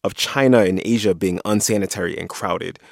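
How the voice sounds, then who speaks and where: A man's voice: sits low, fairly quick, creaky, no echo. A man co-hosting a podcast, explaining things in a conversational way, close to the microphone. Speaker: podcast co-host. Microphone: close studio microphone.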